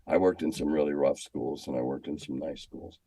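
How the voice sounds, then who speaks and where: Deep-voiced older American man telling stories. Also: steady tone, fairly quick, dark tone, husky, dry recording. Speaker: guest, former schoolteacher. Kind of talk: casual storytelling interview.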